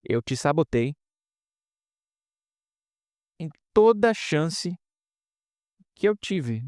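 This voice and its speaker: A man's voice: a little high, big pitch swings, extremely slow, a little mellow, dry recording, studio quality. A man teaching English pronunciation in a casual online lesson, explaining step by step and often checking in with students.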